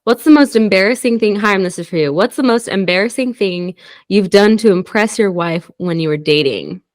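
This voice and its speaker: A woman co-hosting a casual podcast chat, playful, with quick reactions. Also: mid-range voice, no echo, clean studio sound. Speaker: podcast co-host.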